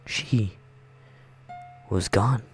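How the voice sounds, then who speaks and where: A man's voice: fairly low pitch, drawn-out words, slightly rough. A man hosting a gaming video, reading visual novel narration aloud and reacting casually. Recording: music behind the voice.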